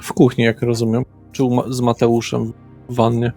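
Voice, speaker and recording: A man runs a tabletop role-playing session as game master. His voice sits at an average male pitch. Soft music plays underneath. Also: monotone, normal speed. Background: background music.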